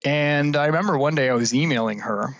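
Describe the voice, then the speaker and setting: A man speaking as an interview guest, telling animated anecdotes about his work with many fillers. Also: on the high side, a little fast, no room sound, highs cut off. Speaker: guest, IT services business leader. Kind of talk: conversational interview answers.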